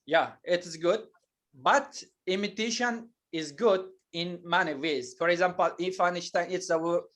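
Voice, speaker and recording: A man teaching an English lesson, explaining patiently and slowly with many hesitations and fillers. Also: high-pitched, fairly bright tone. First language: not Turkish.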